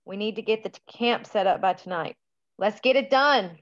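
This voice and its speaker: A woman reading the part of a gentle, caring woman who organizes a camp, at a table read. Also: mid-range voice, moderate pace, lo-fi sound, slight background noise, lightly acted.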